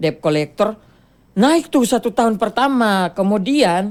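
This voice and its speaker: Delivered at a fairly slow pace, the man's speech has very wide pitch swings. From eastern Indonesia (NTT). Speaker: stand-up comedian and debt collector content creator. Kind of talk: podcast interview answer.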